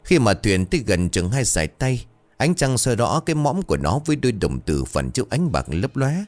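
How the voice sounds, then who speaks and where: A man narrating a story in a suspenseful, expressive storytelling style. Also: low voice.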